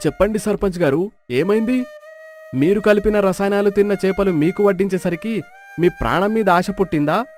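A clever, outspoken village fisherman in a story drama, played by a man. His voice is high for a man and declamatory as he explains. Soft flute music runs underneath. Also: a little fast, lightly acted. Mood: accusing, righteous. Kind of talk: dramatized moral story acting.

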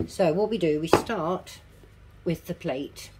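Low-voiced, slow-talking toothless woman. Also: very noisy. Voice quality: toothless, slightly slurred articulation. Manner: instructive, repeating key steps. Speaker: craft tutorial presenter. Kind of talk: casual step-by-step craft demonstration. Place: indoors at a home craft table.

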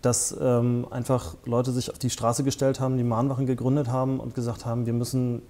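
Man in his forties, mellow dark tone, hesitant, lots of fillers, studio interview guest, lapel mic. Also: medium pitch, level tone, a little fast. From northern Germany. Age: 40s. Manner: hesitant, many fillers and restarts. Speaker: interview guest, festival founder. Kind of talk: conversational interview. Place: small studio set with armchairs.

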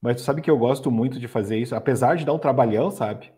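Casually chatting on his live stream, the middle-aged host works through viewer questions with agreeable little interjections. His pitch is medium and his tone dark, and he moves at a quick pace.

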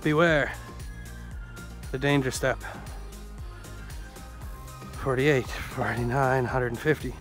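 A man's voice: medium pitch, fairly even intonation, slow, long pauses, a bit bright, soft background music. Joking man vlogging on a jungle hike. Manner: joking, chatty, talks to himself while hiking. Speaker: travel vlogger. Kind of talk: casual solo travel vlog narration. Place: outdoors in rainforest on a hiking trail.

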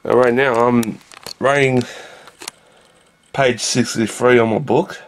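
A man in his thirties with a creaky, gravelly voice, rambling casually in a low-key video diary, recorded indoors on a handheld camera at arm's length. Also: steady tone, slow pace, slight background noise. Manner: low-key, meandering, jumps between everyday subjects. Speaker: vlogger. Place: small room indoors.

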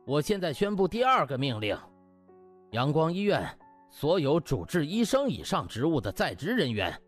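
A man's voice: a little high, sing-song, moderate pace, faint music behind. A man voicing a smug, pompous male hospital boss who speechifies officially with false kindliness, in an audiobook.

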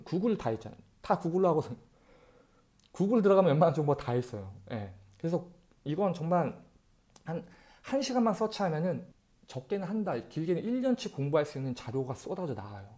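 A man in his thirties, a channel host, gives casual advice to camera in an animated way, using rhetorical questions and speaking into an earphone mic in a bright room. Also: on the high side. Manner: animated, gestures a lot, talks directly to viewers with rhetorical questions. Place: bright room by a window, indoors. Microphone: wired earphone mic.

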